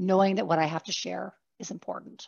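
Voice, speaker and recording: A woman talks in an animated, somewhat breathy tone. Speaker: executive coach and workshop presenter. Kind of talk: interactive workshop talk. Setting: video call. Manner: fast.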